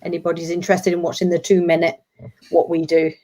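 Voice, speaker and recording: A woman's voice: fairly low pitch, monotone, fast, dark tone. A woman guest chatting on a video call, hesitant, with many fillers and restarts. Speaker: guest, works at an ed-tech company. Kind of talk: casual video-call chat.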